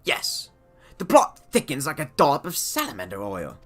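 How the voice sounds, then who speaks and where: A man voicing a grand, flowery older nobleman from a video game, delivering lines loudly and with flourish. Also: fairly high pitch, wildly swooping pitch, moderate pace, soft background music, heavily acted. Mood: grandiose. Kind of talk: game dialogue read aloud.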